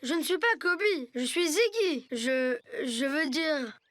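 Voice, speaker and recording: A woman's voice: sits high, lively intonation, slow, a bit bright, dry recording, full character voice. A woman voicing an awkward, earnest small child in a French-dubbed children's cartoon, hesitant and easily flustered. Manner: hesitant, stammering.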